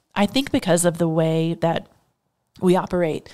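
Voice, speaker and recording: A woman speaks with an American accent and a fairly low pitch on a very clean recording with a silent background. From Texas. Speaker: nonprofit chief executive. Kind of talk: interview. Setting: in person at the organization's building.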